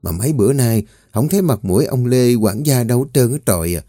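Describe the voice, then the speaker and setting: A man voicing an older woman cook who mutters gossip in a low, hushed voice. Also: expressive, quick pace, no echo, studio quality, lightly acted. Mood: worried.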